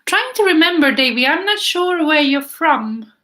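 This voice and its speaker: A woman's voice: sits high, very animated, normal speed, sharp tone. A woman, teaching a casual live painting class, thinking aloud in short phrases as she works and chatting with viewers. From Finland. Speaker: art teacher.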